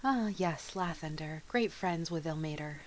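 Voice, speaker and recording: A woman's voice: deep voice, moderate pace. A woman chatting casually and narrating her character as a player in a tabletop game. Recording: clear background hiss and noise.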